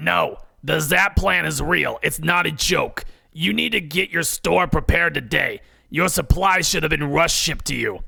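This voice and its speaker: Using a put-on character voice, a man sounds husky, raspy, and gruff, fairly high in pitch and at a moderate pace. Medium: read story.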